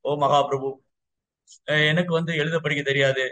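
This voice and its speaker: A man's voice: a little high, fairly even intonation, moderate pace, bright, forceful tone. A man voicing a humble, illiterate brahmin who pleads in a self-deprecating way. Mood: humble pleading.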